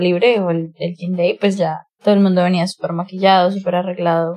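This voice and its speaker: A woman with a dark, mellow tone speaks at a moderate pace in a monotone, flat intonation. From Colombia. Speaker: podcast co-host. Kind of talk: casual chat.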